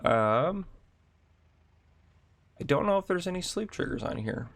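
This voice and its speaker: Gravelly-voiced man giving a casual game tour. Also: on the high side, very animated, a bit bright, no room sound. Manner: chatty, thinks aloud with ums and quick asides. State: gravelly morning voice. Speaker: gaming channel host.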